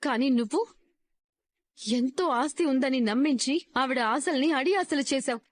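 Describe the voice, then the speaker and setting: An actress playing a righteous young daughter-in-law in a TV serial, speaking firmly and accusingly. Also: female voice, high-pitched, moderate pace. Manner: accusing, firm and threatening. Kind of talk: TV serial acting.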